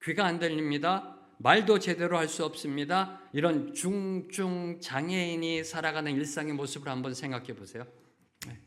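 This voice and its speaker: Korean pastor preaching with rhetorical questions. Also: male voice, a little high, moderate pace. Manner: frequent affirming "네" fillers, rhetorical questions to the congregation; acts out brief quoted voices, at times shouting. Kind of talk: sermon.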